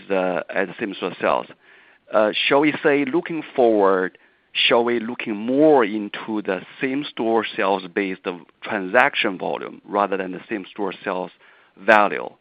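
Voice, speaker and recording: Guy analyst asking stuff on an earnings call, kinda low voice, hesitant, muffled dry line. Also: no echo. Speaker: financial analyst asking a question.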